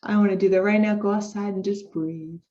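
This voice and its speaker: A woman's voice: mid-range voice, steady tone, brisk, dark tone. A woman giving an informal speech therapy lecture, upbeat and explaining step by step with spoken demonstrations. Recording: dull lo-fi recording.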